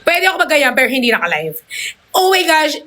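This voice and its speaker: A young woman streams live from her phone, gushing excited thanks for gifts and slipping English phrases into her chatter. Her voice is high and very bright, with a crisp edge. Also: fast talker, a little hiss or hum. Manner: mixes English into her talk. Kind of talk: casual livestream chat.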